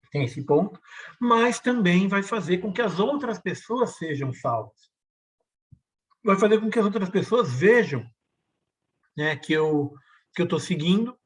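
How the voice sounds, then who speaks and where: Conversational man teaching Bible class. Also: a little high. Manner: conversational, ends points with "né?"; repeats key phrases for emphasis. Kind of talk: teaching a Bible lesson, reading scripture aloud.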